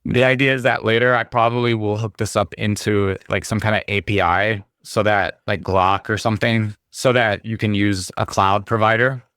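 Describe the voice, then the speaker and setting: A man talking casually on a livestream, rambling with lots of fillers, his voice going hoarse as he gets over being sick. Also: on the low side, little pitch movement, normal speed, few pauses, a bit bright, dry recording, studio quality. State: hoarse, recovering from illness. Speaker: streamer.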